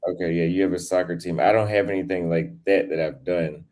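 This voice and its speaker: A man's voice: sits low, steady tone, brisk, a little mellow. A man chatting casually as a guest, rambling a little and searching for his words. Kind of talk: casual video-call chat.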